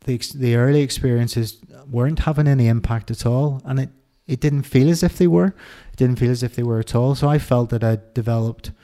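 A middle-aged man with an Irish accent, talking candidly as an interview guest, reflective and halting with many restarts. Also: mid-range voice, warm tone.

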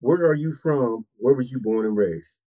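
A husky-voiced man hosts a faith interview as a minister, with a preacher's cadence and a steady stream of amens. The sound is dry and close, with no room around it. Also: mid-range voice, moderate pace, no echo, dull audio.

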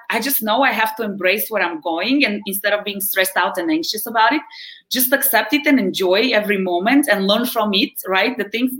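A woman's voice: mid-range voice, fairly bright tone, poor audio. A woman in her forties from Bulgaria with a Bulgarian accent, a wellness coach chatting as a podcast guest, laughing often and tagging lines with "right?". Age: 40s. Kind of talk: conversational interview.

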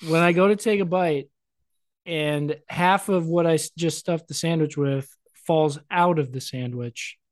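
Podcast guy, kinda high voice, laughs a lot, super dry close mic. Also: unhurried, no room sound. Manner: jokey, laughs often. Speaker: podcast co-host. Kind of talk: casual chat.

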